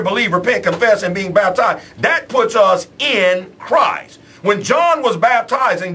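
A man's voice: high-pitched, sharp tone, slight background noise. A man preaching on a church radio show in a small studio, emphatic with a preacher's cadence. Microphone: studio mic.

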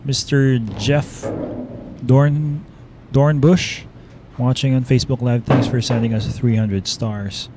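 A man's voice: mid-range voice, fairly even intonation, takes it slowly. Filipino-accented man calling a pool match. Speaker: pool commentator. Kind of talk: live sports commentary. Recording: noisy live stream audio.

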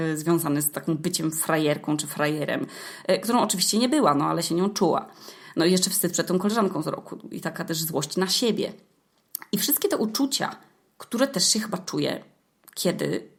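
A young woman hosting a podcast, telling a story casually in slangy, hesitant speech with swearing and many filler sounds. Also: mid-range voice. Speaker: podcast host.

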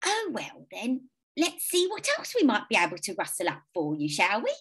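A woman voicing a lonely, kindly old woman who talks in a gentle, fussy, chatty way. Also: medium pitch, wildly swooping pitch, moderate pace, slightly rough, voice pushed up, heavily acted.

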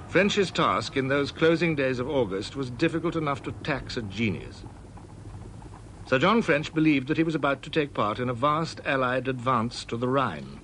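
A male documentary narrator reads in a measured, formal manner. His voice sits at a middle pitch. The old 1960s broadcast recording carries a clear hiss behind him. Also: a bit bright. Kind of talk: scripted narration.

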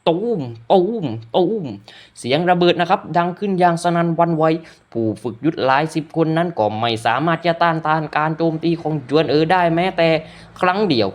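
A man's voice: fairly high pitch, fast talker. A man retelling a fantasy story as a narrator, polite and loose, often correcting himself. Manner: polite, adds frequent polite particles, loose retelling with self-corrections.

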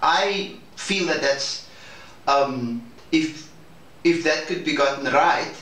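A man with a slightly high voice talks carefully in an informal discussion, hesitating between phrases. He sounds a bit away from the mic, in a very echoey room. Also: slow, sharp tone. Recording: very echoey, distant mic, faint noise.

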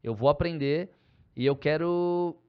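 A man who is a podcast guest and former basketball player, chatting casually and animatedly, laughing often and acting out what he shouts from the stands. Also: fairly high pitch, a little slow, clear, resonant tone. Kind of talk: casual chat. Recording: slightly dull sound.

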